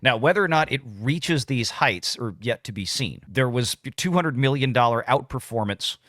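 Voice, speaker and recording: A man with a bright, sharp voice and a very dry sound talks through entertainment business points. His delivery is conversational and halting, with repeated sentence openings as he reasons aloud. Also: medium pitch, lively intonation, no echo. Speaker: talk show panelist covering box office news. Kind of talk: casual analytical discussion.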